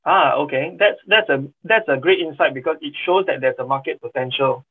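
A man hosting a business podcast, speaking haltingly with many "uh" and "you know". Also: on the high side, slightly rough. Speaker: podcast host. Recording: phone-like line with faint music.

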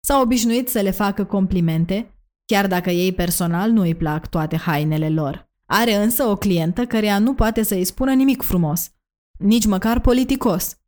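A woman narrating an academic essay in a measured, even delivery. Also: medium pitch. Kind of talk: reading an academic essay aloud.

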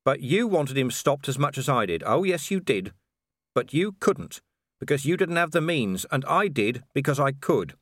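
A man's voice: mid-range voice, very animated, moderate pace, no room sound, studio quality, voice pushed up. A man voicing a grim, furious middle-aged city watch commander in an audiobook, growling and bitter. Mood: bitter, angry. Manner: growling, bitter, raised and forceful. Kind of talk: audiobook character reading.

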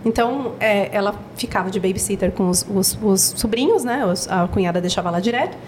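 A Brazilian woman chatting as a podcast guest, telling stories in a lively way and acting out what people said. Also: medium pitch, fairly quick, a little hiss or hum. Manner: animated storyteller, acts out quotes. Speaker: podcast guest, project founder. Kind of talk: casual podcast chat.

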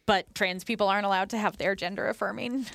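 A woman's voice: medium pitch, fairly even intonation, quick pace, vocal fry, fairly bright tone, dry recording. A woman co-hosting a podcast, casually recapping a reality show episode with frequent fillers. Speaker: podcast co-host.

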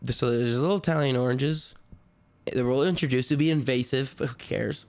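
Guest, young man, smooth mid voice, stammers, deadpan comic. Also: mid-range voice, normal speed. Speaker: podcast guest. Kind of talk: casual comedic chat.

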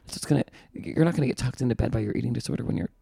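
A man in his twenties co-hosting a podcast, chatting casually, excitable and jokey, swearing now and then. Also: medium pitch, very fast, gravelly, slightly rough, no echo, clean studio sound. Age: 20s. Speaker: podcast co-host.

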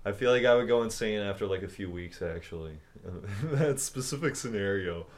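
A man with a very low-pitched voice in a relaxed, casual conversation. He thinks aloud as he talks and fills his sentences with "like" and "I feel like". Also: normal speed. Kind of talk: casual chat.

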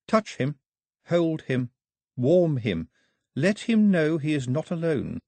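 A soft, urgent spirit voice that seems to float in the air, pleading and questioning, as a male narrator puts it on. It sits well above his usual pitch and keeps a slightly husky edge. The sound is dry and close. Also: very animated, slow, no room sound, heavily acted. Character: disembodied female voice in the air, gentle and urgent.

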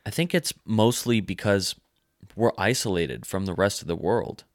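Deep-voiced young American man explaining. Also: normal speed, dry recording, studio quality. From United States. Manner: explanatory, lecturing on sociology. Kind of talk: casual chat.

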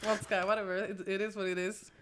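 A young woman with a Québécois French accent, a rap artist chatting in an interview, lively and slangy, dropping English words into her French. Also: medium pitch, quick pace, a little hiss or hum. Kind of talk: casual interview chat.

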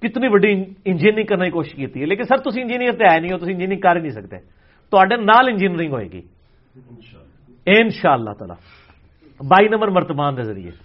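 A man answering audience questions as a religious scholar. He talks in an animated, sarcastic way and acts out the people he quotes in changed voices. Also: sits high, dull audio. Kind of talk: lecture-style Q&A session.

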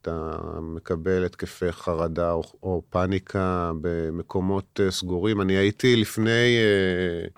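A man in his fifties, an author and army veteran, speaks as a guest in a personal interview, slow, earnest, and heavy, with many hesitations and restarts. His very low voice is smooth and clear. The recording is dry and close, without room sound.

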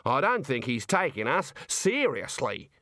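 A man's voice: medium pitch, huge pitch swings, a little slow, sharp tone, no room sound, clean studio sound, full character voice. A man voicing an elderly, bluff and irritable wizard leader for an audiobook, with a blunt, commanding manner. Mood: blunt, confident.

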